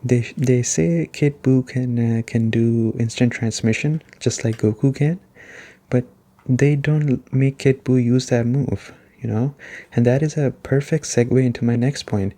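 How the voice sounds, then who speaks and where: A soft-spoken man giving a relaxed, rambling ASMR game review, conversational and repeating points for emphasis. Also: mid-range voice, unhurried.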